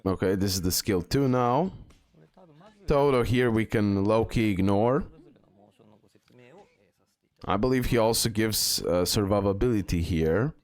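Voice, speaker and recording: Low-voiced man rambling over gameplay. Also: unhurried, long pauses, a little mellow. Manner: rambling, repeats words, many fillers. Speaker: gaming video host. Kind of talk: casual game commentary.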